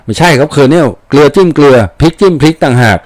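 A man voicing a calm, sly male mercenary sergeant who speaks softly. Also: a little high, very fast, no echo, natural voice. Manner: soft-spoken, sly.

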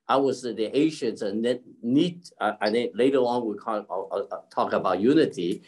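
An older man of about 70, a keynote speaker and community leader, gives an informal, off-the-cuff speech on an online forum, halting and often clearing his throat. His voice is mid-range and a little mellow, and the poor audio comes from a desk-distance device mic on a video call in a room at home by a curtained window.

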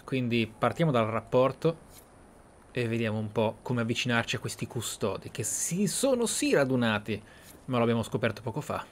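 A man giving dramatic game commentary as a streamer, theatrical and deliberate, with drawn-out phrases. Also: medium pitch, slight background noise. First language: Italian. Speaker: gaming streamer. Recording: faint game ambience behind. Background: video game sounds.

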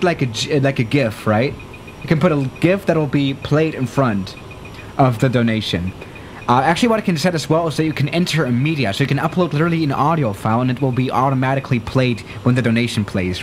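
A young man streams a flight sim on a desk studio mic in a small room, chatting loosely in a fairly high voice with slight background noise. He's excitable and gets flustered whenever an emergency breaks out.

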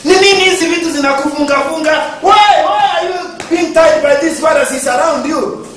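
A man preaching a sermon in an animated way, often asking the congregation questions. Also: very high voice, a little fast, slight background noise. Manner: animated, code-switching, asks the congregation questions. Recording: echoey hall from a distant mic.

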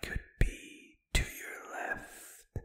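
A performer voicing a shy, gentle, lovestruck ghost in an ASMR roleplay, in a breathy, soft, hesitant and tender whisper. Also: very slow, dry recording. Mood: teasing. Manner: bashful, tender, hesitant, intimate. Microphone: close microphone, dry.

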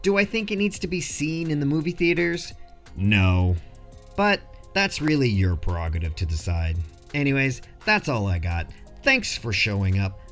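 A man's voice: medium pitch, very animated, normal speed, fairly bright tone, faint music behind. A man narrating a casual scripted film review in a jokey, slangy way.

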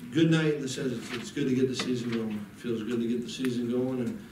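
A middle-aged man, a head coach at a postgame press conference, talking haltingly with many restarts into a desk mic. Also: medium pitch, steady tone. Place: press room in front of a backdrop. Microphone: table mic on a desk. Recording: echoey room, mic a bit far, audible noise.

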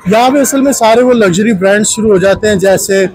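Male vlog host, South Asian accent, high voice, casual and chatty commentary. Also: fast, a little mellow, slightly rough, no room sound, low-quality recording. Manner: chatty, playful, code-switching into English. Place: inside a large shopping mall.

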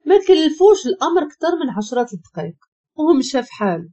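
Brief: emotional Moroccan woman narrator, fairly high and very lively pitch. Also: fast. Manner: emotional, dramatic retelling. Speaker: storyteller. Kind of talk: first-person story narration. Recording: dull lo-fi recording.

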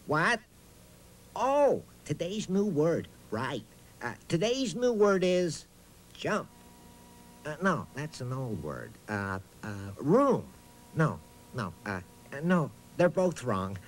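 A man's voice: a little high, huge pitch swings, slow, slight background noise, full character voice. A man voicing a friendly, absent-minded talking boot who hosts a children's reading show in a hesitant, chatty way. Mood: flustered, friendly. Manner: hesitant, bumbling, chatty, hums nonsense syllables. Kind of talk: playful children's educational presenting.

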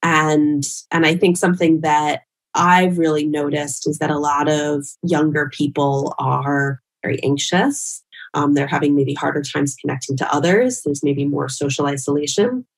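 Husky, low-voiced woman in her thirties. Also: moderate pace, rough recording. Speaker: psychologist guest, relationship podcaster. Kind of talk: conversational interview answers. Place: home room, indoors. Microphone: video call, wearing headphones.

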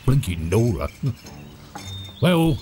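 An actor playing a chatty, cheerful manor servant in an audio drama, with a British accent and a rambling, stammering, chuckling delivery. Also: male voice, mid-range voice, very animated, slow pace, dark tone, slight background noise. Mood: rueful, amused. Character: chatty, cheerful, oft-killed manor servant named Todd.

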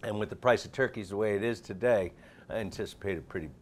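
A middle-aged man with a fairly low voice chats on a TV studio set. He talks in a lively, promotional manner, gesturing as he goes, his voice clean on a lapel mic. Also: fast talker, a little hiss or hum. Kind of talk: casual TV studio interview.

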